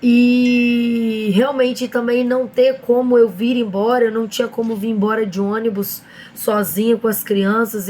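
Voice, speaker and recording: Hoarse lady doing a chatty devotional for her viewers, kinda high voice, slows way down on bible verses. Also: darkish tone, slight background noise. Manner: speaks slowly and deliberately when reading verses; frequent fillers and direct address to viewers. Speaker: online devotional host. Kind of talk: casual devotional chat with Bible reading.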